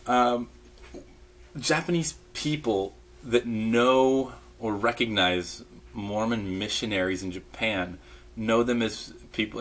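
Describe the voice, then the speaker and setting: A man casually rambling to camera about his past, relaxed and chatty with lots of fillers and restarts, sipping a beer as he talks. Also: lowish voice. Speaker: vlogger recalling mission in Japan. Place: indoors at home, in pajamas.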